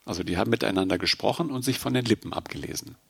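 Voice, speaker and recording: A man from Germany working as a sign language interpreter, calmly explaining terms in an interview with thoughtful pauses. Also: on the low side, vocal fry, breathy edge, no echo. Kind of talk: interview conversation.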